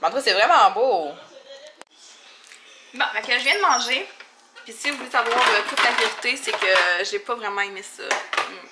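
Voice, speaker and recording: A young woman with a Québécois French accent, chatting casually in a vlog, often laughing and filling pauses. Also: on the high side, animated, very noisy. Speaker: vlogger.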